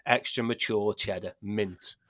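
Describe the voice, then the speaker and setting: A man's voice: on the low side, steady tone, unhurried, fairly bright tone. A middle-aged man with an English accent bantering bluntly and casually as a podcast co-host, full of matey slang.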